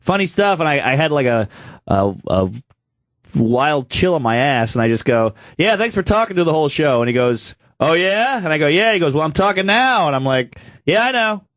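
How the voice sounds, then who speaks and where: Male comedian podcast host with a head cold, slightly high voice, very lively delivery, dry close-mic sound. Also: moderate pace, dry recording. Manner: animated, acts out both sides of encounters. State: congested from a cold. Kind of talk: casual comedic storytelling.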